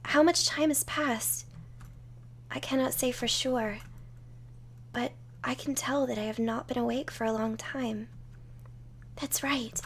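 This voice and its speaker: Woman playing a calm, aloof ancient monster woman. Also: on the high side, measured pace, pauses often, slight background noise. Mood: drowsy, musing. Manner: calm, musing, unimpressed. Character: ancient fox monster woman, newly awakened, unbothered and aloof. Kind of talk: visual novel voice acting.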